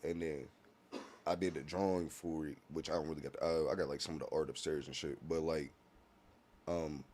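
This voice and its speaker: A man's voice: a bass voice, steady tone, fairly quick, darkish tone, slight background noise. A man talking as a musician guest in a casual podcast conversation, laid-back and heavy on slang, often checking in with "you feel me".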